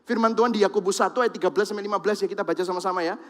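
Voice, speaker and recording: A pastor preaching with a Javanese-influenced accent, his voice high and bright for a man. He speaks straight to the congregation and slips into the voices of the people he describes. A long reverb from the big church hall trails each phrase. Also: rapid-fire. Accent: Javanese-influenced Indonesian. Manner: lively, talks to the congregation directly, acts out quoted voices. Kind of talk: sermon.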